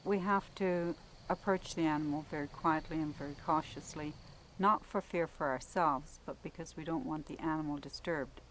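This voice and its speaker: A woman's voice: deep voice, normal speed, slight background noise, poor audio. A woman researcher explaining her fieldwork carefully, step by step, in a documentary interview. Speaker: wildlife researcher.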